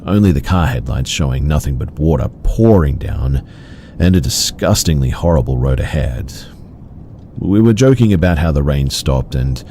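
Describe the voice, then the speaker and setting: A man reading out horror stories in an even, measured storytelling delivery. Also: rumbling low, vocal fry, background noise. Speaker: story narrator. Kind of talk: scripted horror story narration.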